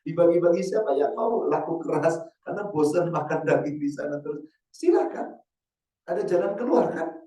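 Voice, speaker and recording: Guy giving a laid back sermon, mellow voice, keeps asking the ladies questions, sounds far off in a big echoey room. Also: on the high side, expressive. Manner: conversational, asks the audience rhetorical questions; recites Quranic verses slowly. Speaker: ustadz giving an Islamic study talk. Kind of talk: casual sermon to a women's study group. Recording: roomy hall, mic far off.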